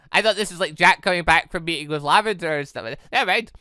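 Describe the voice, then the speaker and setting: A let's player giving casual, rambling game commentary in an excitable manner. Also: mid-range voice, fast talker, clean tone, dry recording, studio quality. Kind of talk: casual gameplay commentary, reading dialogue aloud.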